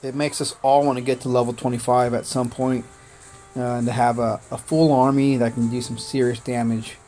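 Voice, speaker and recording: A man born in Korea, whose first language was Korean, chats through a livestream of a strategy game. His voice sits at an ordinary mid pitch, and he rambles easily, thanking viewers by name between "uh"s and "man"s. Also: flat delivery, moderate pace, warm tone, soft background music. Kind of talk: casual gaming livestream chat.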